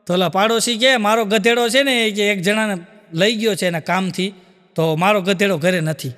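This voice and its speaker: A man doing stand-up comedy, telling quick anecdotes full of acted dialogue on a live stage. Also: sits high, fairly bright tone, long reverb tail. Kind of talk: Gujarati stand-up storytelling.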